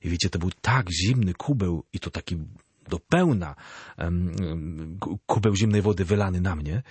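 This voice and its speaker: A man, a Catholic priest, giving a catechism talk as an animated storyteller who speaks directly to his listeners. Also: deep voice, moderate pace, husky, no echo.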